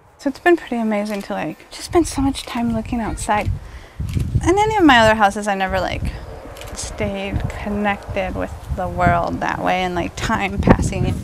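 The sound is dry, with no echo, and noticeable background noise is present. Speech moves at a moderate pace. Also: woman. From Argentina. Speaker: single mother and student. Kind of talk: casual home tour interview. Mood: enthusiastic, relaxed.

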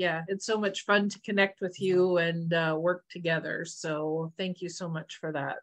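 A woman against a quiet background. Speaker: host. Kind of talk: conversational interview chat. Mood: excited, upbeat. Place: home room. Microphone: video call.

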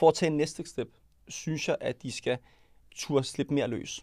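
Fairly slow male speech over a quiet background. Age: 40s. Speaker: former professional footballer, football coach; podcast guest. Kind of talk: casual chat. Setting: studio. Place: studio. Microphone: studio mic.

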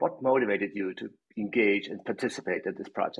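A man speaks at a fairly quick pace with a fairly low pitch. The background is quiet. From Germany. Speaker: social entrepreneur, interviewer; panel moderator. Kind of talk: panel discussion on video call; interview questions and panel discussion. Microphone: earbuds.

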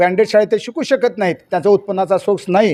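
On a very clean recording with a silent background, a man speaks at a high pitch. His tone is dark and mellow, with fairly even intonation. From Khandapur village, Latur district, Maharashtra. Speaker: former village head, protest leader. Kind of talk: protest interview statement.

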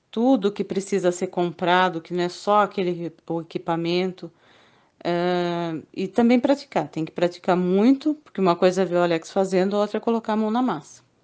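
Speaking at a moderate pace, a woman has an unremarkable speaking voice with a medium pitch and ordinary pitch variation. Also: quiet background. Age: 40s. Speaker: student of sublimation courses. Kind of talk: testimony.

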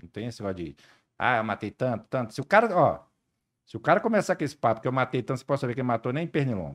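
Lively intonation and big swings in loudness mark this man's speech at a very fast pace. The background is quiet. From Brazil, São Paulo area; Brazil. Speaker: US Army sergeant, combat veteran. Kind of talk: casual podcast interview. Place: studio. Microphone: studio mic.

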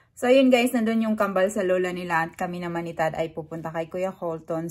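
A woman with a plain, everyday voice, fairly low in pitch, over light background noise. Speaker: family vlogger. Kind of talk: casual vlog chat. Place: home room. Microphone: phone near.

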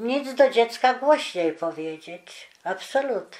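Very slowly, a woman talks, her intonation lively. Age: 80s+. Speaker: retired teacher. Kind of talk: oral history interview. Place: home room.

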